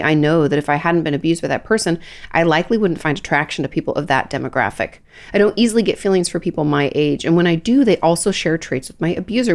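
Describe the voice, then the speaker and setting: A woman's voice: lowish voice, a little mellow. A woman with a stuffy, nasal head cold, hosting a solo podcast as a therapist answering listener questions in a chatty way with fillers and restarts. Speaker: podcast host, licensed therapist.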